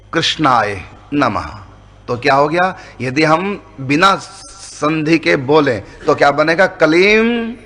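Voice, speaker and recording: A man speaking slowly and patiently in a spiritual discourse. He teaches step by step, asking his listeners questions and then answering them himself. His voice sits a little high for a man. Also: a bit bright. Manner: slow, patient explaining with rhetorical questions. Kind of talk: devotional discourse explaining grammar.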